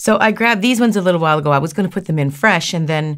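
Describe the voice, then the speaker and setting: A woman talks at a very fast pace with lively intonation and vocal fry. The background is quiet. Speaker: nail technician educator. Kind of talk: tutorial. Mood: cheerful, chatty. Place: studio.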